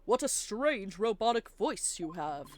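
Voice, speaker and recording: A woman voicing a formal, stern and easily puzzled courtroom judge for a game read-aloud, measured and authoritative. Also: medium pitch, big pitch swings, slight background noise. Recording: game music behind the voice.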